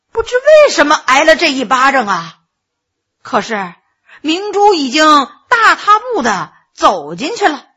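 Lively, bright-voiced woman storyteller. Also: high voice. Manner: expressive, theatrical narration. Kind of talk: dramatic storytelling of a historical novel.

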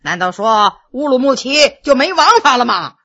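A woman's voice: sits high, sing-song, unhurried, bright, forceful tone, exaggerated voice. A woman voicing a shrewd old male tea merchant who mocks an officer, switching between coarse and bookish talk. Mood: mocking.

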